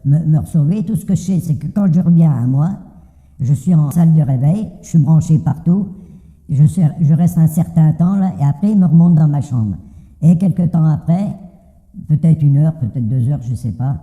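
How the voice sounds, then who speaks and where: An older man voicing an anonymous testimony, disguised by a deep pitch shift and telling his story in a plain, matter-of-fact way. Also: normal speed, dark tone. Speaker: interviewee giving anonymous testimony. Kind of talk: interview answers. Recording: tinny phone-like sound with long reverb.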